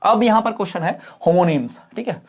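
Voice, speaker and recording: A man's voice: high voice, expressive. Man teaching, quizzing his class. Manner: asks and answers his own questions, repeating checks like "theek hai?"; reads English definitions slowly and deliberately. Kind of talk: Hindi-English classroom lecture.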